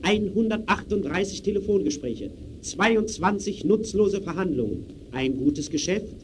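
A slow, fairly high male voice as a clinical official reading a file. Each phrase is clipped and impersonal, declaimed in 1920s radio drama manner over faint noise. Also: animated. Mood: clinical, insistent. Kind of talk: 1920s German radio play, staccato report. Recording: noisy early radio recording.

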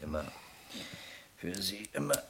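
A man acting a sharp, sceptical homicide investigator in a radio crime drama, blunt and sardonic. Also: low-pitched, very animated, measured pace, vocal fry, slight background noise, full character voice. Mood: wry, weary. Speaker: actor in a radio crime play.

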